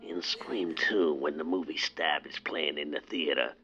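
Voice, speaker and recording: An actor playing a menacing masked male killer on the phone, taunting in a gravelly, whispery voice. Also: a bass voice, a little slow, sharp tone, lo-fi sound, soft background music, heavily acted. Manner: taunting, sinister. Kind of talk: audio play acting.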